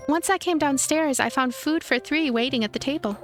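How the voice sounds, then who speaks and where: A woman's voice: high voice, fairly quick, fairly bright tone. A woman narrating a visual novel as a let's play host, reading the story expressively. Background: background music.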